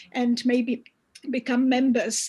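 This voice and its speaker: This woman has a Czech accent. Her pitch is high. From Czech Republic, Prague. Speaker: literary organization director, panelist. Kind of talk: webinar panel talk. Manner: halting, many fillers.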